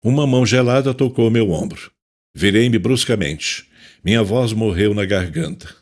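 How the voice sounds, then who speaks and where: A man's voice: on the low side, normal speed, close to an everyday voice. An actor with a Brazilian accent playing a tormented, self-loathing psychiatrist in an audio drama, anguished and theatrical as he confesses. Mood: stunned.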